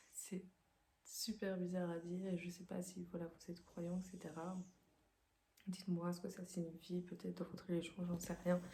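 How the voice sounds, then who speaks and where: A soft-spoken woman's fairly low, dark and mellow voice, somewhat breathy, in a flat monotone with long, frequent pauses. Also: moderate pace. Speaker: ASMR creator. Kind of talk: ASMR soft-spoken story time.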